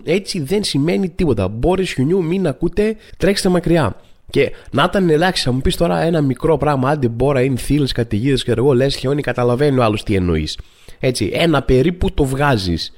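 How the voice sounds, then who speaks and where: A young man hosting a comedy podcast, ranting in an exasperated, incredulous way with sudden shouted bursts. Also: fairly high pitch. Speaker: podcast host. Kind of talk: comedic rant monologue. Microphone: studio microphone at a desk.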